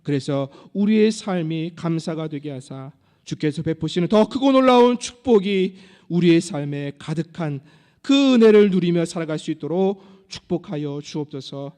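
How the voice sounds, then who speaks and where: A man's voice: fairly high pitch, expressive, normal speed, warm tone, smooth. A man preaching and leading an earnest, fervent prayer as the pastor of a church service. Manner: earnest, fervent praying with rising intensity. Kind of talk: sermon and closing prayer. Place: church sanctuary.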